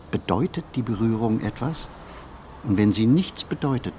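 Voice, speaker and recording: Reflective urban wanderer, literary radio-play narration, low register, lively melodic delivery, deliberate phrasing, faint city noise behind. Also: male voice. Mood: musing. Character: pensive male city wanderer musing on modern life. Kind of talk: scripted literary monologue, reflective first-person narration.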